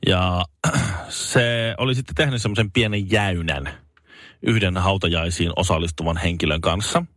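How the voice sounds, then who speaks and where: On a casual chat show, a male co-host spins animated stories packed with fillers, abruptly switching into high comic voices. The recording is dry and studio quality.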